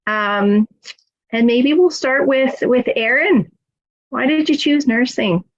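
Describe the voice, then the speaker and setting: A woman's voice: sits high, slow, lo-fi sound. Woman moderating a video call panel. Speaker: webinar moderator.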